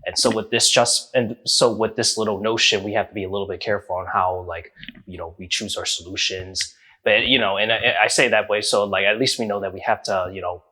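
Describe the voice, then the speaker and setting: A man's voice: lowish voice, pushed and bright. A man explaining a math problem step by step in a casual, hesitant way, with many ums and restarts. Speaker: math tutor.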